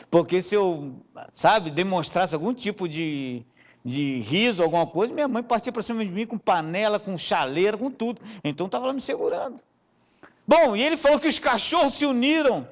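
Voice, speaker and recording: A man preaching as bishop, telling funny personal stories, with sudden loud bursts and hushed asides and questions thrown to the congregation. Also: extremely high pitch. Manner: animated storyteller, swinging between loud bursts and hushed asides; addresses the congregation directly with rhetorical questions. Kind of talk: sermon with humorous personal anecdotes.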